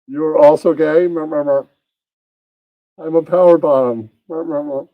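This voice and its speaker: A man's voice: fairly high pitch, fairly even intonation, normal speed, no echo, natural voice. A man voicing a crude, blunt puppet who pads his speech with repeated nonsense syllables in improvised adult comedy. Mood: crude, taunting. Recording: dull, muffled lo-fi sound.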